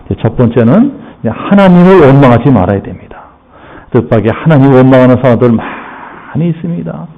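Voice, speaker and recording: A man pastor giving a lively sermon in a church, asking the congregation rhetorical questions. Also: medium pitch, a little fast, phone-quality sound.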